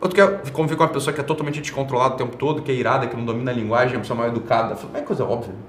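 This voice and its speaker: A man's voice: mid-range voice, fairly even intonation, racing. A man hosting an online show, giving a blunt, casual opinion monologue full of slang, swearing and rhetorical tag questions. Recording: roomy echo.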